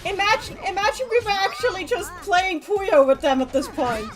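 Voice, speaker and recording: A woman streaming a video game, chatting casually and reacting out loud to the characters on screen. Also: very high-pitched, moderate pace, over music. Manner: animated, talks back to game characters, exclaims. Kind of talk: casual let's-play commentary.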